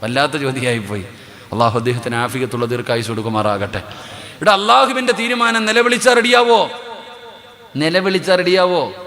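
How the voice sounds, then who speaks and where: Male preacher, bright forceful voice, rapid call-and-response sermon in a reverberant hall. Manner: drills the crowd with repeated questions and calls for responses; swings between loud exclamations and low, quiet asides. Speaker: Islamic preacher.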